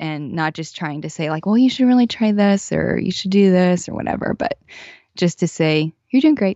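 With an American accent, a woman has an ordinary speaking voice at medium pitch with lively intonation. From US Midwest, small-town Indiana. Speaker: podcast host and dance teacher. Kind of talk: casual interview chat.

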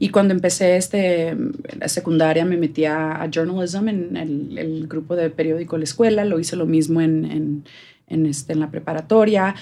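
A woman talks at a fairly low pitch with ordinary pitch variation. Her tone is dark and mellow. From El Paso–Ciudad Juárez border. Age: 40s. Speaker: television journalist. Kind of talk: casual interview. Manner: fast, stumbles when speeding up.

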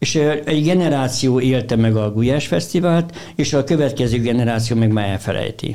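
In a room with audible echo, a man speaks at a moderate pace and medium pitch, his dark, mellow tone held at very even loudness with ordinary pitch variation. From Hungary, Pest county (Abony). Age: 70s. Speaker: festival organizer. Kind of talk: casual interview.

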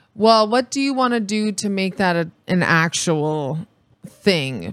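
The speaker has an American accent and an animated tone. Delivery is fairly slow, with lively intonation. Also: woman. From Southern California. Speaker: podcast co-host. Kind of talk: casual banter podcast chat. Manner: animated, joking.

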